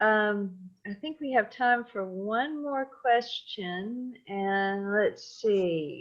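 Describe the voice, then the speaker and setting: At a very slow pace, a woman with a Southern US accent uses lively intonation at a fairly high pitch. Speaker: poet and interviewer. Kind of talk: interview. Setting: video call.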